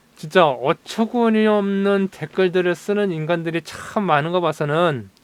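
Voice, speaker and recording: A man speaks at a high pitch and a very slow pace. The sound is dry and close, with no echo. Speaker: motorcycle vlogger. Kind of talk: angry commentary reading comments. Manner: heated, agitated.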